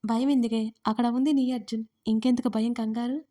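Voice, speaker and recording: A woman's voice: on the high side, fairly even intonation, brisk, dark tone, close to an everyday voice. A woman voicing a playful young woman who teases her sister-in-law in an audio story. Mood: teasing. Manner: teasing, mock-dramatic.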